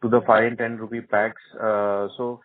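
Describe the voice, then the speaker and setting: A man's voice: lowish voice, level tone, normal speed, no room sound. A man, an analyst putting tentative follow-up questions on a business call. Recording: dry, narrow telephone line.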